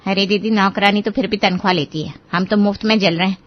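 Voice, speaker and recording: A woman's voice: medium pitch, steady tone, fast talker, dull audio, natural voice. A woman voicing a work-dodging middle daughter-in-law with an offhand, dismissive manner. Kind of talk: storybook character voice.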